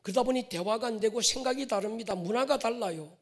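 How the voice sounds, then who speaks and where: A male pastor preaching a sermon to his congregation, swinging from loud stressed phrases to whispered endings and drawing out key words. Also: very high-pitched. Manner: addresses the congregation directly, drawn-out stressed words.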